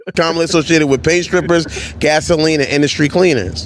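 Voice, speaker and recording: A man with noticeable background noise. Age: 30s. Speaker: street interviewer. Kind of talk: news reading.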